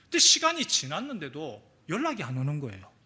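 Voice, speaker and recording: A man's voice: on the high side, a little fast. A male pastor preaching a Sunday sermon, telling a story and acting out the people in it. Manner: animated storytelling, acting out quotes. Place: church sanctuary.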